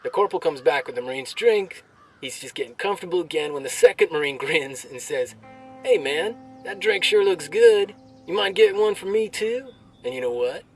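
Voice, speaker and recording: An actor playing a brash, crude army soldier telling jokes with swaggering military banter and drawn-out delivery. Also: male voice, fairly high pitch, animated, distant mic, soft background music, lightly acted, low-quality recording. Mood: cocky, joking. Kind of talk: military banter, performed joke storytelling.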